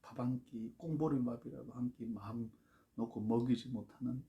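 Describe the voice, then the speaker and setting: A man's voice: mid-range voice, steady tone, moderate pace, mellow, muffled recording, lightly acted. A man quoting a poor, despairing country mother in a Gyeongsang accent, barely changing his own voice. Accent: Gyeongsang Korean.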